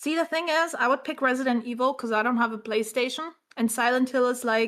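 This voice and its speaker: A woman with a German accent, high in pitch, with ordinary pitch variation and a fairly quick pace, on a very clean recording with a silent background. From Germany. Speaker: vtuber podcast co-host. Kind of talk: casual chat.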